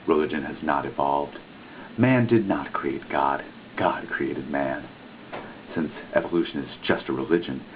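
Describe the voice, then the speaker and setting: A man giving a theatrical, mock-dramatic reading of a written text, with big swings in pitch and stress. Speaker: reader. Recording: tinny lo-fi recording with faint noise.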